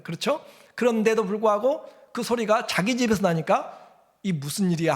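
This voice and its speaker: A man's voice: on the high side, in a large hall. A male pastor giving a sermon in a conversational way, asking the congregation rhetorical questions. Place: church sanctuary.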